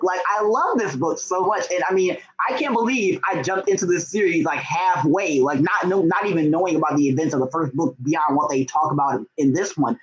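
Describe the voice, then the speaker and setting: A young adult man chats casually on a livestream as a book vlogger, gushing and excitable, his slangy speech packed with "like" and "y'all." His voice is high-pitched and the sound is lo-fi.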